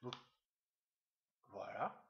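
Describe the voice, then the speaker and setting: A man teaching a screen-recorded software tutorial, talking fast and hesitantly with many fillers. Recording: dull lo-fi mic with faint hiss.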